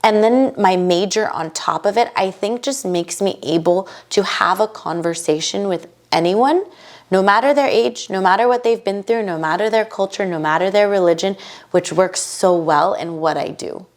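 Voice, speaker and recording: A woman from the United States, a guest on a podcast, talking in a casual, animated and emphatic way with many quick asides. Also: mid-range voice. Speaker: podcast guest, bridal fashion entrepreneur. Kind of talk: casual conversational interview.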